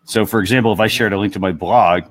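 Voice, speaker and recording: Lower-voiced man hosting a talk show. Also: fairly even intonation, fast talker. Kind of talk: casual presentation of tools and tips.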